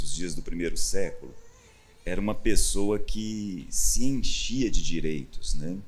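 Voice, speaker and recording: Low-voiced Brazilian man teaching scripture. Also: slight background noise. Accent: Brazilian Portuguese. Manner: animated storyteller, acts out quotes with sudden louder bursts. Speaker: pastor. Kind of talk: conversational Bible teaching.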